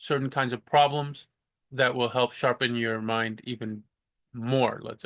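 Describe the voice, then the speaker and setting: Mumbling at a fairly quick pace, a man speaks at a medium pitch with a bright, sharp tone. The sound is dry and close with no echo, over a quiet background. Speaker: amateur philosophy video maker. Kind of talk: casual talk to camera about philosophy. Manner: unedited, with hesitations and mumbling.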